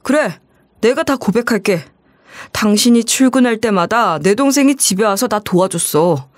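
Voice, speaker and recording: A woman's voice: medium pitch, expressive, normal speed, no echo, studio quality, lightly acted. A woman voicing an angry husband who answers back defensively and indignantly.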